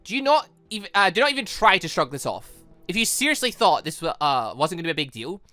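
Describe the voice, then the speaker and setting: A man's voice: high voice, big pitch swings, quick pace, pushed and bright, dry recording, soft background music, full character voice. A man reading the part of a protective, exasperated friend from a visual novel, scolding and insistent.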